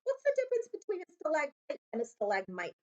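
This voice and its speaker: A woman's voice: high-pitched, huge pitch swings, fast talker, a little mellow, lo-fi sound, pitched above the performer's own voice. A woman voicing a curious, eager young boy who asks questions in a storybook. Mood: puzzled, calling out.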